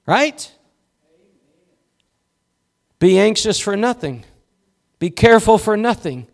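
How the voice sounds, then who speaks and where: A man's voice: high-pitched, lively intonation, slow, vocal fry. A male pastor preaching a sermon in a church, with emphatic repeated cadences and rhetorical questions.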